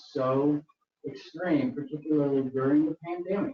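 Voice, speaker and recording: Fairly quick and with ordinary pitch variation, a man with a plain, everyday voice speaks at a fairly high pitch. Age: 60s. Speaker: retired biomedical technician. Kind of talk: panel discussion.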